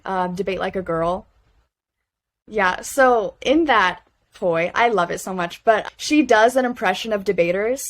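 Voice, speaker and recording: Young female panelist, chatty and upbeat. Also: medium pitch. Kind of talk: casual panel discussion.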